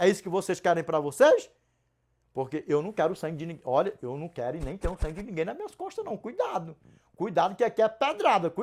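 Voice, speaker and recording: The pace is fairly quick. The speaker talks with a Paraíba accent. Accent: Paraíba Northeastern Brazilian. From Paraíba, Northeast Brazil. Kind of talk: casual, addressing online followers. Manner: warning, stern.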